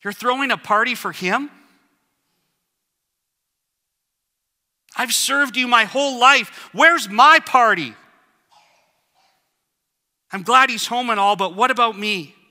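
Resentful older brother, acted by a male preacher: raised pitch, forceful grievance, reverberant hall. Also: unhurried, heavily acted. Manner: complaining, emphatic. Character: indignant resentful older brother, young man.

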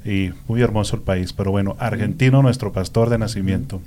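A man's voice: fairly low pitch, fairly even intonation, a little fast, dark tone, slight background noise. A man co-hosting a Christian radio show, talkative and affectionate, steering the interview at a studio microphone.

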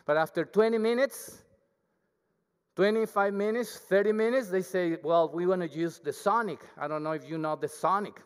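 A man with a thick Mexican accent preaches to a congregation in a humble, self-deprecating way, talking with them rather than at them. His voice sits a bit high for a man. The sound carries a long church-hall reverb. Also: normal speed, clean tone. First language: Spanish. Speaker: guest preacher. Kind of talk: sermon.

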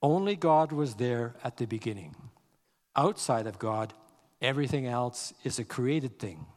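A man delivers a sermon at a very unhurried pace, his voice at an ordinary middle pitch. He reads scripture with deliberate weight on key words. A long hall reverb trails behind each phrase. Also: lively intonation. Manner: slow, measured delivery, reading scripture aloud with deliberate emphasis. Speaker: pastor.

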